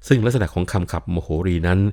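A man's voice: low-pitched, fast, darkish tone. An older man giving a patient explanatory talk on classical literature, often adding polite particles. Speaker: lecturer on Thai classical literature.

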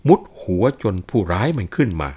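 A man reciting classical narrative verse in a melodic, drawn-out chant, stopping now and then to explain the story in plain speech. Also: darkish tone. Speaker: reciter and teacher of classical poetry.

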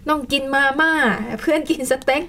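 Fast-talking woman radio host. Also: high voice, slight background noise. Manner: chatty, animated opinions, leads the talk. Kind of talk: radio news discussion.

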